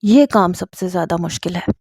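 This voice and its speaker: A woman's voice: lowish voice, darkish tone, husky, no echo, clean studio sound. A woman reading the lines of a persistent young man in love, with a playful, coaxing manner. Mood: teasing.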